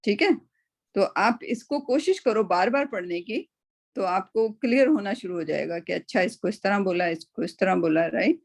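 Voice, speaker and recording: Chatty woman teacher with a gravelly voice. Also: mid-range voice. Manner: casual, chatty, mixes English into speech, keeps asking "right?". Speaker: Quran and Arabic teacher. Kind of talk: online class discussion.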